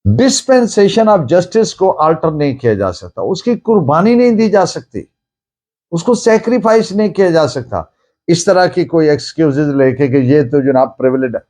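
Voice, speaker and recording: A man with a Pakistani accent giving a lecture in a deliberate, emphatic, didactic way, mixing in English phrases. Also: fairly high pitch, very animated, a little mellow. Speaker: law lecturer. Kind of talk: lecture on evidence law, dictating citations.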